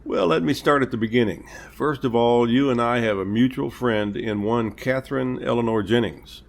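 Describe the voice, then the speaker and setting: A man playing a polite, reassuring police captain, speaking in a measured, earnest way in an amateur audio drama. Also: medium pitch, vocal fry, lightly acted. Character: courteous, reassuring male small-town police captain.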